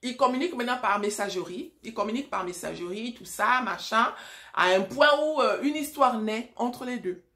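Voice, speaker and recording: An adult African woman, a married mother who vlogs and tells stories, speaks casually to her viewers in a direct, emphatic monologue, often asking them rhetorical questions. Her voice is on the high side, expressive and a bit bright, at a normal speed.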